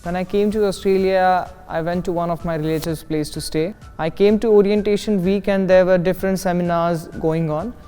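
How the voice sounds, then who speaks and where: A man's voice: high-pitched, steady tone, moderate pace, hardly any pauses, dark tone, clear, resonant tone, faint music behind. A young man from India, a university student, speaking in a confident, upbeat way about settling in. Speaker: international student. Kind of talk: casual student testimonial.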